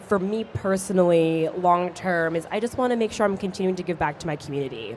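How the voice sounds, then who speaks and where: A woman with a medium pitch and ordinary pitch variation speaks, and noticeable background noise can be heard. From Maine. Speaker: political candidate. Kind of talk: panel discussion.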